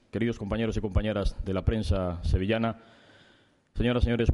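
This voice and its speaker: A middle-aged man giving a formal ceremonial speech at a podium microphone, measured and solemn, building his points in lists of phrases. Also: lowish voice, darkish tone. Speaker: speaker at a club awards ceremony. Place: large indoor reception hall. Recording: reverberant hall via PA.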